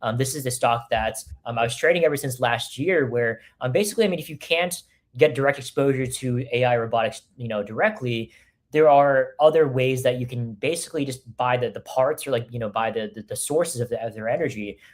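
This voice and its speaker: A man's voice: mid-range voice, a little fast. A man as a guest trader, talking casually and hesitantly with many ums and restarts. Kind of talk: casual discussion.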